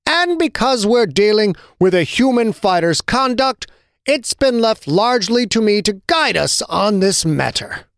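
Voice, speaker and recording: A man's voice: extremely high pitch, very animated, measured pace, fairly bright tone, dry recording, studio quality, voice pushed up, heavily acted. A man voicing a smug, scheming male council member who sounds falsely earnest. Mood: gloating.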